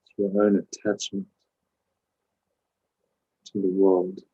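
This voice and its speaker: A man leading a guided meditation as a spiritual teacher, giving calm, measured instructions with pauses. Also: deep voice, husky, dull audio.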